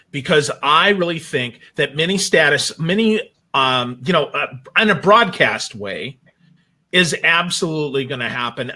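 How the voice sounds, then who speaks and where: Bright, higher-pitched man talking emphatically. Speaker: guest commentator on social media marketing. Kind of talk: casual talk show discussion.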